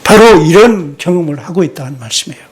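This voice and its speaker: A man's voice: a little high, animated, fast talker, husky. A man who is a missionary, preaching a sermon in a church. He keeps asking the congregation rhetorical questions and drops in short "yes" interjections. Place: church sanctuary.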